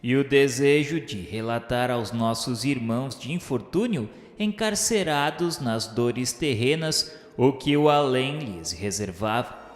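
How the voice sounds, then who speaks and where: An actor with a Brazilian accent playing a solemn male spirit narrator in a radio drama, speaking in formal, measured, declamatory literary phrases. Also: mid-range voice, expressive, lightly acted. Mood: solemn, reverent. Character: solemn male spirit recounting his afterlife studies and remorse. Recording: echoey hall reverb under music. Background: background music.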